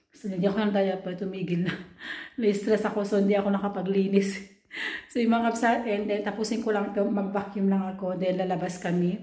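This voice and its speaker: A woman's voice: medium pitch, mellow, reverberant. A woman from the Philippines with a Filipino accent, chatting casually to viewers while she works as a nanny, filmed on a handheld camera. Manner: chatty, addresses viewers as friends. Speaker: vlogger and nanny. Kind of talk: casual vlog chat. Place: house and garden, indoors and out. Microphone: handheld compact camera.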